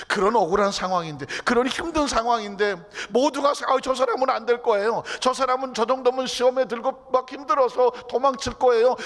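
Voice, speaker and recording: A middle-aged man preaching a Friday night sermon as pastor. He asks the congregation rhetorical questions and swings between loud, emphatic exclaiming and hushed near-whispers. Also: high voice. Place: large church sanctuary. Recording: church hall reverb.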